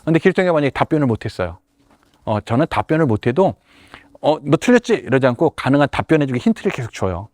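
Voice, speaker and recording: Animated man giving a teacher workshop. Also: mid-range voice, very fast, no echo, studio quality. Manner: acts out classroom exchanges in varied voices. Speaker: head teacher presenting to teachers. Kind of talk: lively teaching workshop talk.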